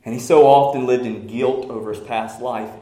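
A man preaching a sermon as pastor, swinging from shouted passion to hushed, near-whispered lines. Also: mid-range voice, steady tone, normal speed, reverberant. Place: church sanctuary.

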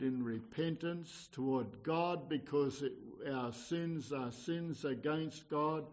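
A man's voice: on the high side, a little mellow. A man preaching an evangelical sermon in an earnest, exhorting manner, often repeating phrases and posing questions.

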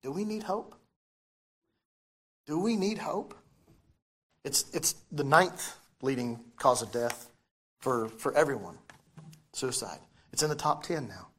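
A man's voice: mid-range voice, fairly bright tone. A man preaching a sermon, repeating key phrases and putting questions to his listeners, his articulation slightly impeded by dental braces.

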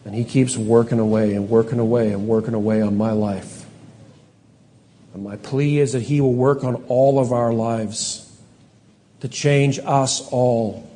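Earnest pastor preaching in a reverberant hall. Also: male voice, mid-range voice, fairly even intonation, dark tone, a little hiss or hum. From Canada. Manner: earnest, with slow emphatic scripture reading and self-corrections. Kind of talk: sermon.

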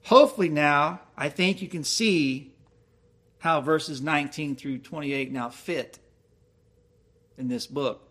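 A man's voice: a little high, slow pace, long pauses, fairly bright tone. A man preaching a sermon, reading scripture aloud and explaining it with questions to his listeners. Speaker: pastor.

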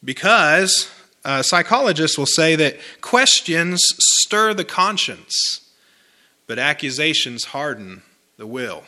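A man delivers a homely, chatty sermon to a small congregation. His voice is very bright and forward, and he often says a phrase twice for weight. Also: fairly high pitch, very animated, takes it slowly. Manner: conversational, folksy, repeats phrases for emphasis. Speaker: pastor. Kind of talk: informal sermon with congregation responses.

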